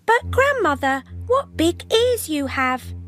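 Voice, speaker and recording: A woman voicing a timid little girl in a red hood, using a high, squeaky girlish voice for a storybook reading. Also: very animated, slow pace, a bit bright, exaggerated voice. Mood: wary.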